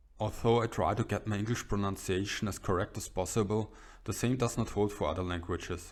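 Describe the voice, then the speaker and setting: In a non-native accent, a man speaks at a fairly quick pace with a fairly low pitch and fairly even intonation, on a very clean recording with a silent background. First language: not English. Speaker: history YouTuber. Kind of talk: scripted narration. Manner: formal.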